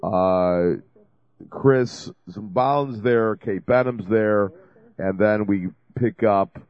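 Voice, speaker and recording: A man's voice: on the low side, takes it slowly, no echo, muffled recording. A man hosting a call-in radio show, talking in a chatty, rambling, jokey way while he has a cold. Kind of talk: casual call-in radio talk. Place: radio studio.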